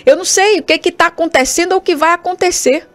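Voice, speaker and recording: A woman in her thirties with a Brazilian Portuguese accent and a high voice preaches on morning radio. Her delivery is fervent and exhorting, aimed straight at the listener, and a soft music bed plays under her. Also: fast talker. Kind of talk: radio sermon.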